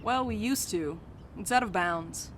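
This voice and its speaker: A woman's voice: medium pitch, a little slow, fairly bright tone, slight background noise, lightly acted. A woman playing a blunt, bantering mail carrier who is bad with feelings, in an audio drama. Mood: breezy, teasing. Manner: blunt, casual, teasing. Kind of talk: naturalistic audio drama dialogue.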